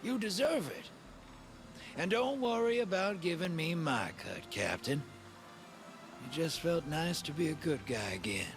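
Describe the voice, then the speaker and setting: A man's voice: a little high, lively intonation, measured pace, background noise. A man playing a wry, easygoing rogue with a good heart in a video game, talking casually with a drawl. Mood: approving, relaxed. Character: wry, easygoing male rogue, roguish but warm-hearted. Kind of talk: scripted game dialogue.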